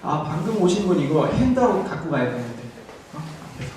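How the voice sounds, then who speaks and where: Man, classroom lecture, animated intonation, slightly high voice, distant mic, faint hiss. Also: a little fast, very echoey. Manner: explains step by step, often checks in with the class. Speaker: TOEIC instructor. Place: classroom in a language school.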